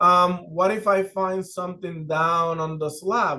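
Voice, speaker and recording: With a Spanish accent, a man speaks in a high pitch and a bright, sharp tone. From Puerto Rico. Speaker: structural engineer. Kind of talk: webinar lecture. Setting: online webinar.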